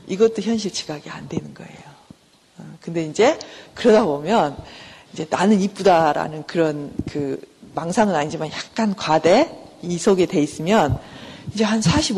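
A woman's voice: fairly low pitch, darkish tone, a little hiss or hum. A middle-aged woman, a professor, giving a conversational university lecture on counseling. She asks the class questions, answers them herself and acts out short everyday exchanges. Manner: acts out quick everyday exchanges in shifting voices. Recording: lecture hall with long reverb.

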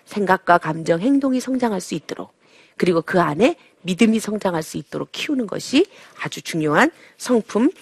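A woman's voice: mid-range voice, husky, dry recording. A middle-aged woman giving a sermon-style lecture on raising children, who acts out the voices of babies and mothers. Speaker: Christian parenting speaker.

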